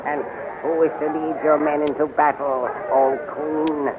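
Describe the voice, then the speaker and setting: An actor playing an obsequious, secretly resentful court magician in formal 1930s radio style. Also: male voice, a little high, flat delivery, natural voice. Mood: urgent. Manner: formal, servile, deliberate. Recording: tinny, crackly 1930s radio recording.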